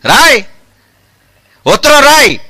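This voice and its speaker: A man's voice: very high voice, very animated, slow, bright, forceful tone. A man preaching a fiery sermon, combative and mocking, firing rhetorical questions.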